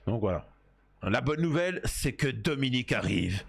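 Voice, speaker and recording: A man's voice: mid-range voice, big pitch swings, normal speed, gravelly, slightly rough. A man with a French accent giving casual, slangy, opinionated commentary and speaking straight to his viewers. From France. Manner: familiar, opinionated, addresses viewers directly. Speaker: commentator reacting to interview clips.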